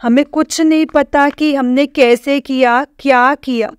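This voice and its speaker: Slow, high-voiced woman. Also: fairly even intonation, dry recording, clean studio sound. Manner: earnest, keeps addressing listeners as "sangat ji"; halting, with many restarts and fillers. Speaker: devotee sharing a testimony. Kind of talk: personal testimony to a congregation.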